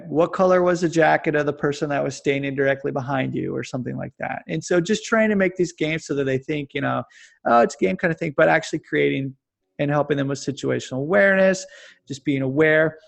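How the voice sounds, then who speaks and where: A man in his forties from the United States, a fitness coach telling stories in a rambling, animated way with many restarts. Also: a little high, brisk, gravelly. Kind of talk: casual interview chat. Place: lives in Japan.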